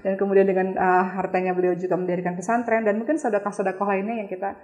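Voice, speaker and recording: A woman interviewer who listens attentively, backchannels softly, and sums up for the viewers. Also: mid-range voice, flat delivery, fast. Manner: attentive, frequent soft backchannels, summarizing for viewers. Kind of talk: conversational interview.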